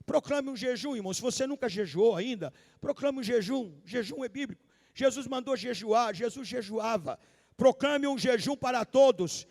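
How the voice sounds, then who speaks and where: A pastor preaching a sermon at a live service, emphatic and repetitive, calling out to the congregation. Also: male voice, very high-pitched, animated, moderate pace, a little mellow. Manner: emphatic preaching, repeats key lines, calls out to the congregation. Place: large church sanctuary, live service. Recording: long hall reverb of a church.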